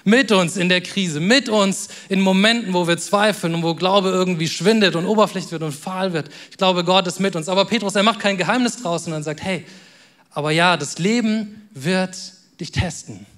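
A man preaching a sermon in a casual, youthful way, dropping to soft, quiet tones for weighty moments. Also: high-pitched, moderate pace. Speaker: pastor.

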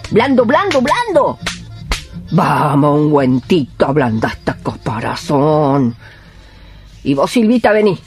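An earthy older Argentine healer from a radio play. She orders and coaxes emphatically, her pitch swinging widely, with music clearly playing behind her. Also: very animated, slow, full character voice. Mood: bossy, coaxing. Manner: commanding, coaxing, emphatic. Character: bossy, earthy older female neighbourhood healer.

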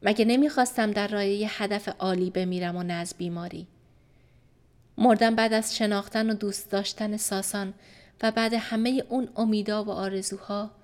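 A woman reading a first-person story aloud in a soft, subdued and reflective manner. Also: mid-range voice. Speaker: audiobook narrator.

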